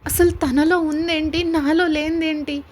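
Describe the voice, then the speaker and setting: A woman reading the part of a possessive, furious young woman in an audio story, with loud, forceful, pleading outbursts. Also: sits high, fairly even intonation, brisk, slight background noise, close to an everyday voice. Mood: angry.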